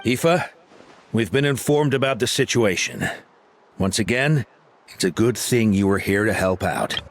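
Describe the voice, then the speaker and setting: A man voicing a steady, loyal tribal chief in a video game, sober and sincere. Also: on the low side, measured pace. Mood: earnest. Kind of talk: earnest video game dialogue.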